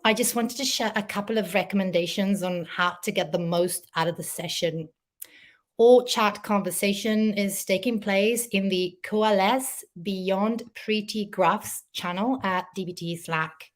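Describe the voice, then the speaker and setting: A woman's voice: medium pitch, measured pace. Woman hosting a conference session. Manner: clear, orderly, reads announcements. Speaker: session host. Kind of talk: scripted conference introduction.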